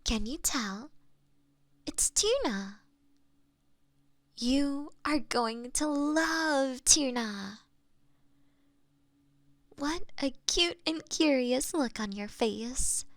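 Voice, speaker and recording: Doting pet owner woman performer, playful and cooing, very animated delivery, dry close-miked binaural sound for roleplay audio. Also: high voice, drawn-out words, long pauses, no echo, heavily acted. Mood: delighted, cooing. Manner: cooing pet talk, giggly, affectionate. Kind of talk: roleplay audio, intimate one-sided scene. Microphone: close binaural microphone.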